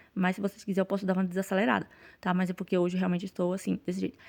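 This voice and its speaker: A woman talks very fast in an animated tone at a medium pitch. The recording is very clean with a silent background and a dry, close sound with no echo. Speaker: vlogger, rural homemaker. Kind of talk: casual vlog narration.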